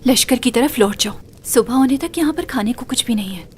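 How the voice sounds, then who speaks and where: A woman voicing a sharp-tongued young woman who rebuffs a pushy suitor, curt and indignant. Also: a little high, expressive, fairly quick, a little hiss or hum, lightly acted.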